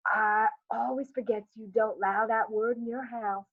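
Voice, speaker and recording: A woman voicing a squeaky, effusive neighbor woman who gossips in a folksy dialect and plays up every bit of news with melodrama. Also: fairly even intonation, moderate pace, breathy edge, no room sound. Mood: gushing. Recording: dry, tinny phone-like sound.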